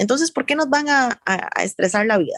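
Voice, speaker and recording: A woman with a Costa Rican accent speaks at a moderate pace in an animated tone. Her intonation is lively, and the sound is dry and close with no echo. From Costa Rica, Alajuela. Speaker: former beauty queen and model. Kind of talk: casual interview. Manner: animated, frequent laughter.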